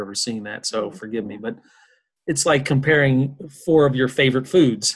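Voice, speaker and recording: A man with an American accent talks at a medium pitch and a fairly quick pace, using an ordinary speaking voice with ordinary pitch variation. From US, Kentucky. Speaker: podcast co-host, film fan. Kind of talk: casual chat.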